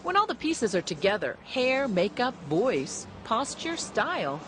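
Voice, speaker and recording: A woman's voice: a little high, measured pace, background noise. A woman reading polished, scripted narration for a television news feature. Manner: lively, polished reporter delivery.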